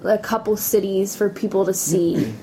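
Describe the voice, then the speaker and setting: A woman's voice: mid-range voice, moderate pace, mellow, slight background noise, low-quality recording. Curious woman asking casual questions. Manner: curious, asks loose questions with fillers. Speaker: interviewer. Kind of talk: casual chat.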